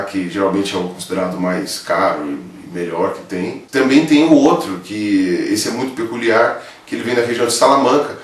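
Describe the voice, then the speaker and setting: Chatty Brazilian man vlogging, echoey. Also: fairly low pitch. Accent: Brazilian Portuguese. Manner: chatty, frequent tag questions. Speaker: travel vlogger. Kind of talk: casual travel vlog.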